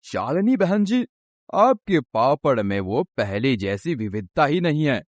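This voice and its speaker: A man's voice: medium pitch, sing-song, unhurried, dry recording. A man voicing an anxious village shopkeeper in a cartoon story, who talks in a complaining, fretful way.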